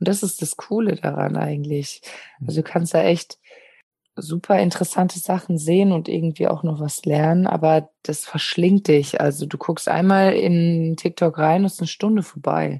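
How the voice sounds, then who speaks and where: A woman's somewhat breathy voice, fairly low in pitch, with a dark, mellow tone, ordinary pitch variation and a moderate pace. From Baden, southwestern Germany. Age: 30s. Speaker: Instagram creator and tattooed model. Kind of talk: casual interview.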